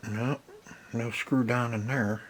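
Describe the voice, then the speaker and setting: A man's voice: mid-range voice, fairly even intonation, slow pace, slight background noise, rough recording. A man casually narrating a hands-on repair as he goes, muttering to himself in short, folksy remarks. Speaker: host of a retro repair video channel.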